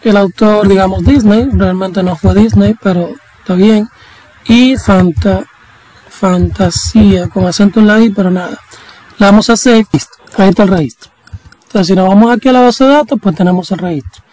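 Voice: mid-range voice, moderate pace, dark tone, poor audio. Casual coding instructor. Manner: casual, chatty teaching with slang and jokey asides. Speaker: programming instructor. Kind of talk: screen-recorded coding tutorial.

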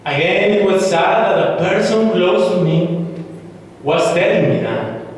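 A man's voice: sits high, animated. Man orating in an echoey hall. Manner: slow, deliberate, dramatic pauses. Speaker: speech contestant. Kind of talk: memorized contest speech. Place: large indoor auditorium stage. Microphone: far camera, no visible mic. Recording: echoey hall from far off, faint hiss.

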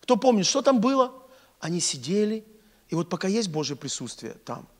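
A middle-aged man preaching as a pastor in a conversational, animated way, with rhetorical questions and emphatic repetition, speaking into a handheld microphone on an indoor stage. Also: sits high, fairly quick. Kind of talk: conversational sermon to a congregation.

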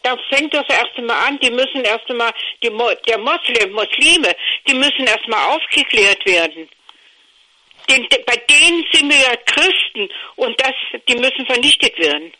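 Older woman, caller, higher voice, blunt, halting, phone-quality line. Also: sharp tone. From Cologne, Germany. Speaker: caller on a panel.

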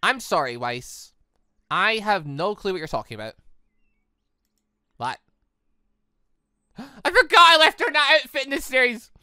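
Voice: medium pitch, huge pitch swings, a little slow, pauses often, pushed and bright, clear, resonant tone, no echo, clean studio sound, voice pushed up, heavily acted. A host reading a stern, formal older sister.

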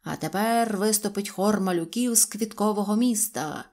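A woman voicing a lively little boy conductor calling his friends up to the stage. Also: mid-range voice, normal speed, close to an everyday voice. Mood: excited. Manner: excited calling out.

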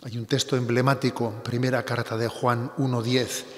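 A man's voice: medium pitch, level tone, normal speed, fairly bright tone. A middle-aged bishop giving a conversational spiritual reflection, often tagging his sentences with little questions. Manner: conversational preaching with frequent tag questions. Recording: reverberant hall.

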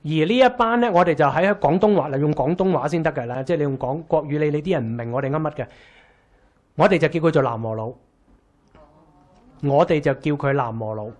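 A man's voice: fairly high pitch, fast, highs cut off. Wry Hong Kong Cantonese man lecturing. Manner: conversational, wry, lively with rhetorical questions. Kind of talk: casual lecture. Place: small lecture room with a projector.

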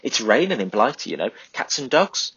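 A man's voice: mid-range voice, sing-song, normal speed, gravelly, fairly bright tone, husky, dry recording, voice pushed up, exaggerated voice. A man voicing a cheerful, teasing young soldier who is the narrator's big brother, in a storybook reading. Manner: chirpy, teasing. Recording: dull lo-fi recording.

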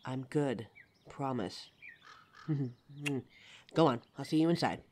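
A woman playing a caring, protective bodyguard in an intimate roleplay audio drama, with a gentle, teasing manner. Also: very deep voice, slow, slight background noise. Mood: reassuring. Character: caring, flirtatious female bodyguard, protective and loyal.

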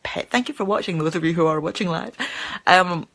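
Young woman host who stammers, chatty and full of fillers, bright gravelly tone, phone-recorded in a small room. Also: lowish voice, fairly quick. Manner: stammers, with many fillers and repeated words. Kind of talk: casual live-stream chat. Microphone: phone held at arm's length.

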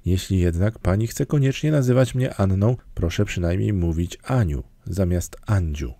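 A man's voice: normal speed, dark tone, dry recording. A man voicing an emotional, talkative orphan girl in an audiobook, pleading and theatrical. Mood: dreamy pleading. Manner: pleading, theatrical, raised higher voice. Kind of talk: audiobook character reading.

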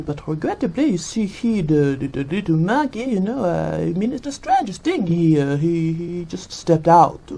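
A man's voice: sits high, vocal fry, dark tone, a little hiss or hum, heavily acted, poor audio. A man voicing a chatty French monkey puppet reporter with a French accent and a sing-song voice. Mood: flustered. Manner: jokey, rambling, flustered fibbing. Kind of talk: comic puppet news segment.

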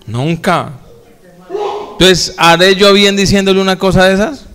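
Higher-voiced pastor, clear tone, echoing hall. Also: male voice, flat delivery, a little fast, fairly bright tone. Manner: folksy, addresses the congregation directly with questions. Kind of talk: sermon. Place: church. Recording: echoey church hall with long reverb.

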